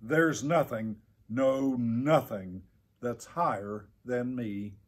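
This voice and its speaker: Storybook turtle king a male reader: tyrannical, boastful, bellowing, slow and grandiose, slightly husky. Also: medium pitch. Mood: indignant, bellowing.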